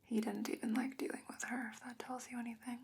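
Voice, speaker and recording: A woman as a breathy, whispering fantasy potion maker. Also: a little high, level tone, fast, exaggerated voice. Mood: guarded, reminiscing. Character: calm, knowing fantasy woman, secretive potion maker, wary. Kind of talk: soft-spoken ASMR fantasy roleplay.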